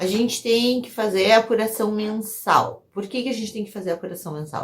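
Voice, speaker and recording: This voice carries a Rio Grande do Sul accent, with noticeable background noise. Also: woman. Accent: Rio Grande do Sul (gaúcho). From Brazil, Rio Grande do Sul. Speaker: accountant, crypto tax advisor. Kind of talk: tutorial video. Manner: repetitive, with many fillers.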